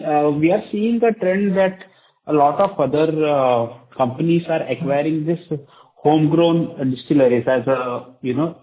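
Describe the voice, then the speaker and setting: A man asking a question haltingly as an analyst on a conference call. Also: a little high. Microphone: phone conference call. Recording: tinny narrowband phone line.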